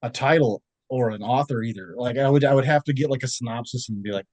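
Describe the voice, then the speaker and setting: A man's voice: medium pitch, fast talker, a little mellow, no echo. A young man from Texas, a podcast guest chatting in a rambling, laid-back way with many fillers and restarts. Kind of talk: casual interview chat.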